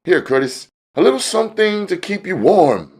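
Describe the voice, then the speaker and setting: Man doing a lively, high-swinging grinning hustler. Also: moderate pace, heavily acted. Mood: gleeful. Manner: slangy, coaxing, expansive. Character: grinning, mellow, wheedling male drug supplier, street-slang hustler.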